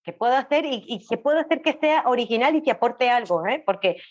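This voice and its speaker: A woman's voice: fairly high pitch, animated, a little fast. A woman speaking as a podcast guest, telling her story conversationally and repeating phrases for emphasis. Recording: dull lo-fi voice audio.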